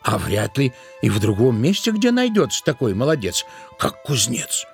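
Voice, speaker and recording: A man's voice: medium pitch, sing-song, normal speed, creaky. A man reading scripted literary narration as the narrator of an audio play. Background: music.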